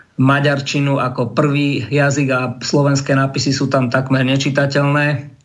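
Against audible room echo, a man with a fairly high pitch speaks at a moderate pace in monotone, flat intonation. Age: 40s. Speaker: politician. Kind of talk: radio interview.

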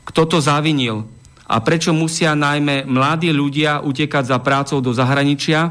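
A man talks in an ordinary speaking voice, pitched fairly high, keeping a moderate pace and fairly even intonation. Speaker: radio host. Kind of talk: radio interview. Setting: studio.

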